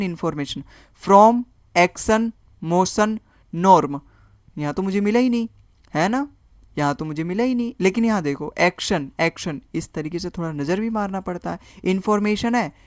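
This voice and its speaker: A man with a high-pitched voice teaches reasoning for exam prep in an online lesson that mixes Hindi and English. He talks through each answer option aloud, repeats words, and checks in with his students. The studio sound is clean, with no room sound.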